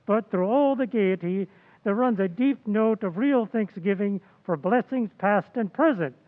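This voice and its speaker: A man playing an old-time radio announcer reading a sponsor message in a measured, lofty way. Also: sits high, long reverb tail, phone-quality sound. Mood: earnest, measured.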